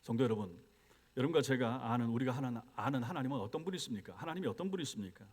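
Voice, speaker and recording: A man's voice: mid-range voice, racing, a little mellow. A male pastor preaching an expository sermon, walking the congregation through verses with frequent rhetorical questions. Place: church sanctuary.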